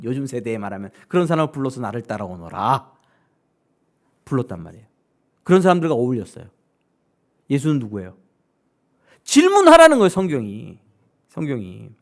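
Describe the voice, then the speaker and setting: A man's voice: fairly quick, gravelly. A male pastor preaching a sermon. He keeps putting questions to his congregation and acts out what other people say. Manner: animated, asks the congregation questions directly; acts out quoted voices with sudden high-pitched outbursts.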